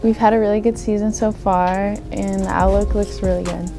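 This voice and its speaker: A teenage girl co-anchors a student news broadcast in a relaxed, chatty manner with lots of fillers. Her voice sits mid-range, and faint music runs beneath her. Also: mid-range voice, normal speed. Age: teens. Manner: casual, chatty, filler-heavy. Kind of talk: scripted school news banter.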